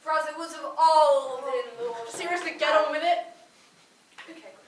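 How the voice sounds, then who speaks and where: A woman's voice: high-pitched, moderate pace, natural voice. A woman playing a pompous, easily distracted lord with theatrical delivery in an amateur comic pantomime. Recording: echoey hall, distant mic, faint noise.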